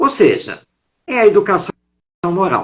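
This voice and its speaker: A man with lively intonation. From Brazil, São Paulo city. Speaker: spiritist educator and writer. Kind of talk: lecture-style talk in a live interview; personal anecdote. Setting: Instagram live.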